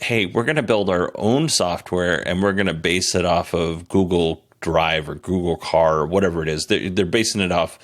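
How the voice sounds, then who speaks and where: A man's voice: deep voice, a bit bright. A man hosting a podcast, giving casual, conversational news commentary in a candid, self-deprecating way. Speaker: podcast host.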